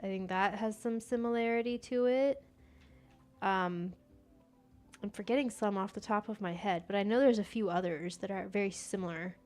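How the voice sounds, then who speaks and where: A woman's voice: medium pitch, normal speed, a little mellow, soft background music. Chatty young woman streaming a game. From United States. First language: Persian. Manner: chatty, talks to herself while playing. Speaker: gaming streamer. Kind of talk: casual gameplay chat, answering viewer chat.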